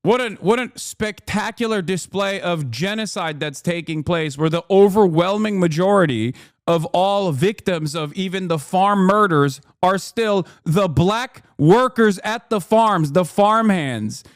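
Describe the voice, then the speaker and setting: A man hosting a livestream, giving sarcastic, profane, animated reaction commentary. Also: high voice, unhurried, no room sound, clean studio sound. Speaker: livestream host.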